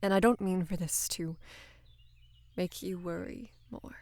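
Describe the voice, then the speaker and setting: Hushed, low-voiced devoted lady knight, acted by a woman. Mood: earnest, worried. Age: young adult. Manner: hushed, breathy, halting and earnest. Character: devoted female knight, tender, anxious, in love with queen. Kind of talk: intimate roleplay audio, soft acted monologue.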